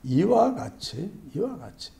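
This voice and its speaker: A man's voice: sits high, sing-song, unhurried, gravelly, mellow. A male pastor preaching a sermon, retelling a parable vividly and acting out its dialogue.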